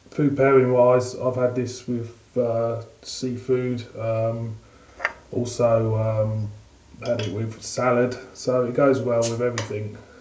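A man talks at a very slow pace in a monotone, flat way. There is audible room echo and light background noise. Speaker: beer reviewer. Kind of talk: casual review vlog. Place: home room. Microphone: webcam.

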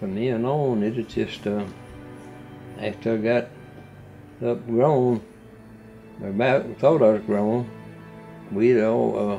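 Someone with an American accent speaks very slowly, with long, frequent pauses and fairly even intonation. Faint music plays in the background. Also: man. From Mississippi, US South. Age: 80s+. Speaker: elderly storyteller. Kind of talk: interview answer, oral history. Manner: pleasant, unhurried. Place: home room.

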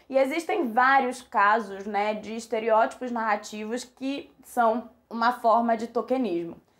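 Her voice is fairly high, with ordinary pitch variation. The woman speaks at a fairly slow pace against a quiet background. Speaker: YouTuber and film critic; YouTuber. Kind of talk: video essay to camera. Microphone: webcam.

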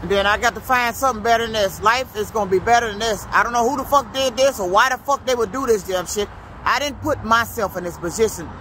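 A furious man shouts in a raised, projected voice at an extremely high pitch, moving at a fairly quick pace with ordinary pitch variation. The sound is dry with no echo, over light background noise. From Detroit, Michigan. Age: 50s. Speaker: independent truck driver vlogger. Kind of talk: angry rant, vlog-style, cursing about trucking companies. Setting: outdoors on a street corner, filming himself. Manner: furious, loud, profane, venting with repeated emphasis. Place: street. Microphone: phone near.

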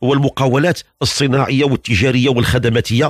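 The pace is moderate, in a Moroccan accent. The sound is dry and close, with no echo. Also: man. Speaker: religious radio host answering callers. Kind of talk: religious call-in advice show.

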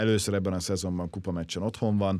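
A man with a fairly low pitch talks with a quiet background behind him. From Hungary. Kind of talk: casual chat. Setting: studio. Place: studio.

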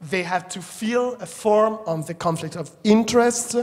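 Man with an Italian accent, quiet background. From Italy. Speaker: anti-corruption campaigner; conference presenter. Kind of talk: conference presentation. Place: hall.

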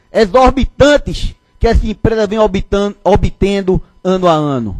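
A man talks at a very slow pace in a high pitch. The sound is dry and close, with no echo. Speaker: federal congressman. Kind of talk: formal speech. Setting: public hearing podium.

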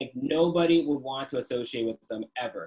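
With an American accent, this speaker keeps to a moderate pace. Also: man. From US South. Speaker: journalist and philosopher; podcast guest. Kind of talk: casual interview. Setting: video call. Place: home room.

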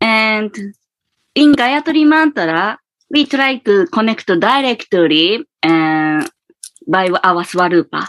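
Faint music plays behind a woman with a fairly high voice. She speaks very slowly, with very wide pitch swings. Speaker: spiritual practitioner and interpreter. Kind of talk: personal sharing in a group discussion. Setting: video call. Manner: halting. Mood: warm, earnest, smiling. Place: home room. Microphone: webcam.

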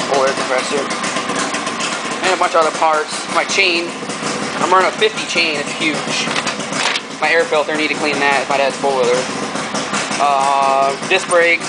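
Long, frequent pauses over clear music in the background. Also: moderate pace. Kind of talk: casual vlog chat. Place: garage. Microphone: phone near.

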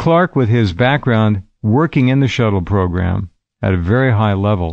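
A man with a plain, everyday voice speaks at a moderate pace. His fairly low pitch shows ordinary variation. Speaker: radio talk show host. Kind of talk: radio interview.

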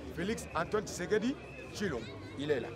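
A man's high voice comes through in a dry sound with no echo, with noticeable background noise. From DR Congo. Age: 30s. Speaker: local party activist. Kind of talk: street interview. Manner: animated. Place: open country. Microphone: lapel.

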